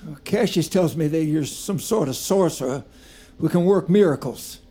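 An actor playing an arrogant Southern plantation master and frightened father, with a husky, domineering voice and a Southern American accent. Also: on the high side, moderate pace, mellow. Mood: contemptuous. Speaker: actor in audio drama.

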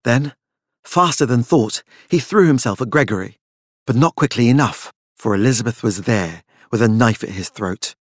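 A man narrates a literary tale with measured drama. His voice sits at an average male pitch, and the recording is dry and intimate, free of room sound. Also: no echo. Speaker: audiobook narrator. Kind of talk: scripted literary story narration.

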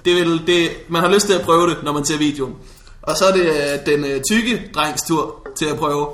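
A man chatting casually as a podcast co-host, describing scenes playfully with mock calm. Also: on the high side. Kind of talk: casual chat. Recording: echoey room.

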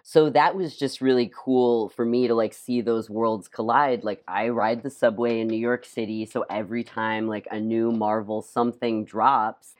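An American actor in a casual interview, with a mid-pitched voice. The talk is youthful and enthusiastic, full of fillers and hesitant little restarts as thoughts come together. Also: steady tone, normal speed, few pauses.

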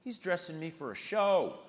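A musical theater performer tells lively stage anecdotes in conversation, acting out the people he quotes. His bright voice sits on the high side, with a long reverb tail.

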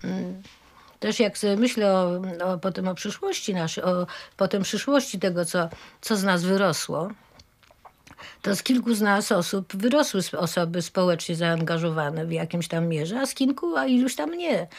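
A woman's voice: medium pitch, moderate pace. An older woman, sixty or more, reflecting on her generation, searching for words as she goes. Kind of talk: reflective reminiscence.

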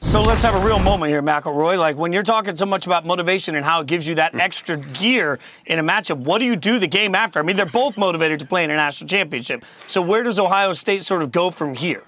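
A man hosting a sports talk show with a scratchy voice, steering the panel with brisk questions. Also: high voice, sharp tone, no room sound. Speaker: studio host.

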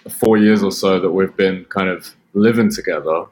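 A low-voiced man from Britain chats casually as a podcast guest. His British accent is blended with American, so it comes across as Australian. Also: fairly even intonation, moderate pace, a little mellow, a little hiss or hum. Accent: British mixed with American, sounds Australian. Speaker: podcast guest, music producer. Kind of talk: casual chat.

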